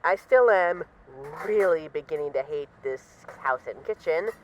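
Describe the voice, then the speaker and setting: A woman's voice: deep voice, lively intonation, unhurried, lo-fi sound, slight background noise. A woman acting as a bored, restless mafia boss who misses a partner, talking in a wry, dramatic, rambling way in an intimate voice-message roleplay. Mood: restless, venting.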